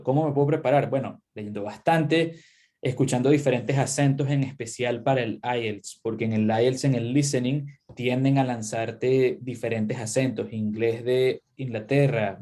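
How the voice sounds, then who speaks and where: Young guy english teacher chatting, laid back, lots of "este", warm darkish voice. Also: medium pitch. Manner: relaxed, conversational, uses many fillers. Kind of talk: casual advice in a live interview.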